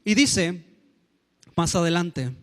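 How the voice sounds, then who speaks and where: A man's voice: high-pitched, animated, slow, fairly bright tone. A man with a Mexican Spanish accent preaching a sermon in a church, emphatic and acting out the voices he quotes.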